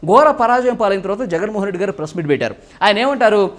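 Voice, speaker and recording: Male news commentator, high voice, rapid fluent delivery, explanatory, leans on "so" to open phrases. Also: animated. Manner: fluent, explanatory, often opens phrases with English "so". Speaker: political commentator.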